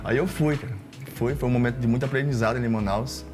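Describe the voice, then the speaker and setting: Brief: male guest, mid-pitched voice, easygoing testimony, faint music underneath. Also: fast talker. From Maranhão, Brazil. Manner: relaxed storytelling, uses "galera" and "cara". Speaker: gospel singer guest. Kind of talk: casual testimony interview.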